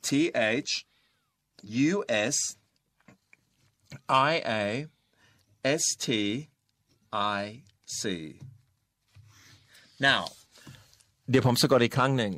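A man's voice: mid-range voice, extremely slow, pauses often, bright, forceful tone. A man co-hosting a radio English lesson in Thai and English, patiently spelling words out letter by letter. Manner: switches between Thai and English. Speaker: English teacher co-host. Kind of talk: radio language lesson chat.

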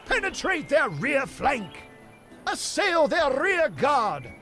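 A pompous, bawdy medieval knight from a video game with a very high, lively voice. He talks slowly and theatrically, piling on mock-archaic pronouncements. Faint music plays behind him. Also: heavily acted. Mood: commanding. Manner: grand, innuendo-laden pronouncements. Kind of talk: video game voice line reel.

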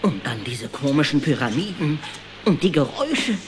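A man's voice: fairly high pitch, very animated, moderate pace, a crowd in the background. An actor playing an anxious, easily frightened male worm in a children's audio drama, fretful and dramatic. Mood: spooked.

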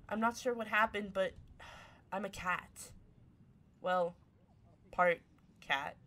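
A woman's voice: a little high, sharp tone, heavily acted. A voice actress playing a grumpy tsundere young woman turned half cat, snappy, sarcastic and easily flustered, in a one-sided ASMR roleplay. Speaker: voice actor.

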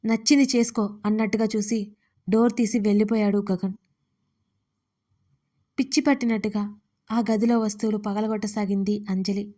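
A woman, the writer and narrator, reading a scripted audio story in a steady, even way. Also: mid-range voice, moderate pace, long pauses.

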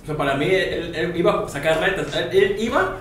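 A man with a Mexican Spanish accent, a podcast guest, telling stories in rapid, slangy casual chat. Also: high-pitched, lively intonation. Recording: very echoey room, far from mic, music behind.

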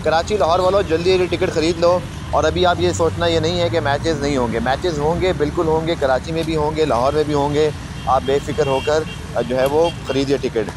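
A man's voice: fairly high pitch, steady tone, a little fast, noisy background. A man with a Pakistani Urdu accent, talking casually and eagerly to his viewers as a sports journalist vlogger, often calling them janab. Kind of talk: casual commentary over outdoor footage.

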